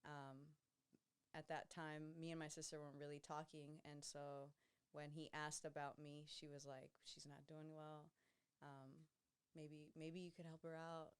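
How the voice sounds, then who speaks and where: A young woman with a Southern California Latina accent, a guest talking in a relaxed, slangy way and laughing often. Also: low voice, a little slow, smooth. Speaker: podcast guest. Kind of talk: casual podcast chat.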